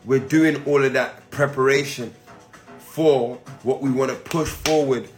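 Hoarse man with music behind him. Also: medium pitch, fairly even intonation, measured pace. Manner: keeps saying "family", easygoing and encouraging. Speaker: spiritual teacher and podcast host. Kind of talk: casual spiritual talk to listeners.

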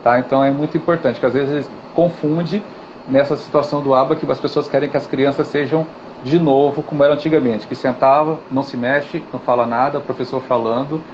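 A man's voice: mid-range voice, brisk. A man, a guest teacher in a live interview, talking casually and acting out gestures and quotes as he tells stories. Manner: animated storytelling with gestures and acted quotes. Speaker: guest, swimming and physical education teacher. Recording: dull, slightly noisy audio.

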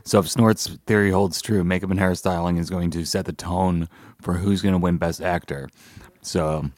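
Deep-voiced, punning podcast co-host. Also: male voice, moderate pace, no room sound. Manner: playful punning, deadpan jokes. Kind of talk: casual live commentary.

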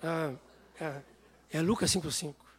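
A man preaching a sermon, telling stories with animated voices. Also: a little high, a little slow, slightly rough. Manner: animated storytelling, acts out voices.

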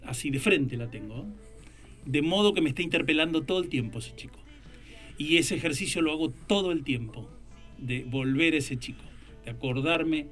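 A man's voice: a little high, normal speed, a bit bright, faint music behind. A man with an Argentine Spanish accent in casual podcast conversation, telling a personal story in a reflective, emotional way and quoting dialogue. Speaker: writer and podcast co-host.

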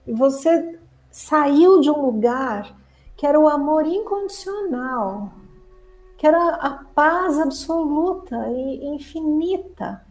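A woman gives a lively spiritual talk to her viewers. Her voice sits high but has a warm, mellow tone, and she acts out the chatter of the mind with expressive swings. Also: rough recording. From Brazil. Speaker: spiritual teacher and therapist.

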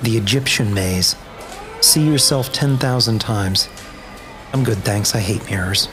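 A man playing a sardonic, grudge-bearing wasteland survivor in a dark-humor audio drama, dry, wry and guarded. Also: fairly low pitch, a little slow, lightly acted. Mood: wry, observant. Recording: music under the voice.

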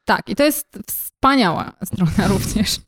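A woman's voice: mid-range voice, lively intonation, unhurried. A young woman co-hosting a podcast in casual conversation, explaining things at length with frequent hesitations and fillers. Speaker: podcast co-host.

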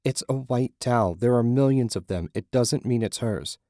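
A man's voice: moderate pace, no room sound, studio quality, close to an everyday voice. A man voicing a frightened young woman who snaps and screams. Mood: tense. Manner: sharp and shrill.

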